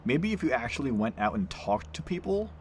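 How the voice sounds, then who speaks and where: A man's voice: medium pitch, big pitch swings, brisk, close to an everyday voice. An actor playing a boisterous, teasing train crewman in an audio drama, with a theatrical, chummy manner. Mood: teasing, mock-dramatic. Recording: station ambience noise behind voice.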